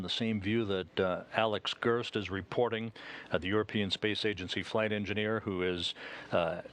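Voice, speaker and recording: A man giving formal, technical live commentary from mission control, halting often with frequent uhs. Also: fairly low pitch, a bit bright.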